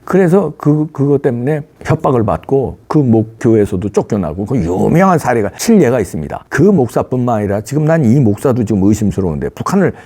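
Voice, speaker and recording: A man's voice: medium pitch, brisk, few pauses, husky. A man hosting political commentary, retelling a story dramatically and acting out the voices in it. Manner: animated storyteller, acts out voices.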